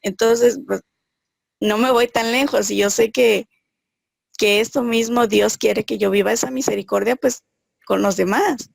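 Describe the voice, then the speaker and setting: A woman's voice: on the high side, steady tone, a little slow, creaky, no room sound. A woman sharing a personal faith testimony, earnest and searching, thinking aloud as she goes.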